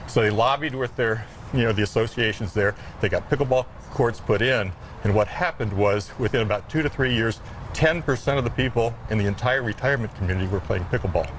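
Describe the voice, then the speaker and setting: In a live TV interview, a man speaking as a sports instructor explains things informally, his voice fairly low and a little fast. The audio is poor, with a bit of hiss or hum and background music playing behind him.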